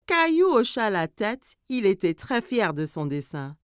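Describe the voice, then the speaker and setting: A woman giving scripted storybook narration for a children's cartoon, expressive and aimed at young listeners. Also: mid-range voice, unhurried, clean tone, no echo, studio quality.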